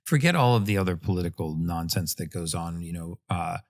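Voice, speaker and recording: A man's voice: sits low, expressive, brisk. A man hosting a conversational interview, hesitant and full of fillers, often murmuring agreement. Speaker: interview host.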